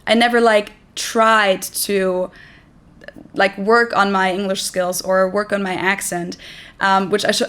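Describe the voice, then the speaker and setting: A young woman from Germany talks through her experiences in casual English with a German accent. Her voice sits at an ordinary middle pitch. She keeps a relaxed, rambling flow, peppered with "like" and small laughs. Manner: relaxed, chatty, lots of "like" fillers and light laughs. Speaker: interview guest. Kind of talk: casual chat.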